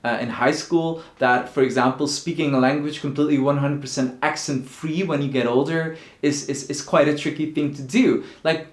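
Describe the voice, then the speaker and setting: A man's voice: on the high side, fairly even intonation, normal speed, hardly any pauses. Man teaching, echoey room. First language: Dutch. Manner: thoughtful, repeats words while searching for phrasing. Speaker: Dutch language teacher. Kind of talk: casual explanatory talk to camera.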